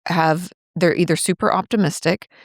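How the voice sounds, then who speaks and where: A woman's voice: on the low side, fairly even intonation, moderate pace, dry recording, clean studio sound. A woman hosting a podcast, interviewing her guest in an encouraging, conversational way. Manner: encouraging, asks open questions. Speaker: podcast host.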